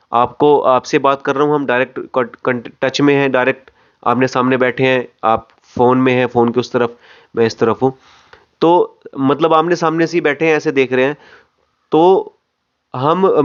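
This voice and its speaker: A man coaching acting, explaining step by step to the camera and often repeating and rephrasing his phrases. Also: mid-range voice. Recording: dull lo-fi audio.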